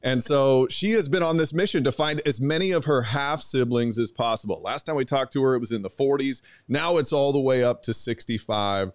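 A man's voice: medium pitch, fairly quick, few pauses, no room sound. A man hosting a casual interview, joking loosely and using many fillers. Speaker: radio show host.

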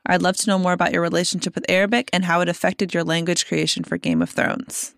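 Woman, low voice, gravelly fry, dry close sound, interviewer. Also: level tone, quick pace, dry recording. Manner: brief listening murmurs. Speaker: interviewer reading a question. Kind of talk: reading a listener question.

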